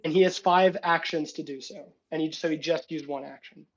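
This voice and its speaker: A man's voice: fairly high pitch, fairly even intonation, fairly quick, dull audio. A young man running a tabletop game as dungeon master, narrating loosely and chatting about rules.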